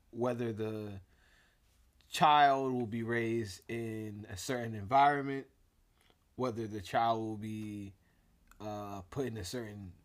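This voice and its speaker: A man co-hosting a casual podcast, talking in a laid-back, playful way and laughing often. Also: medium pitch. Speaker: podcast co-host. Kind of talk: casual conversational podcast chat.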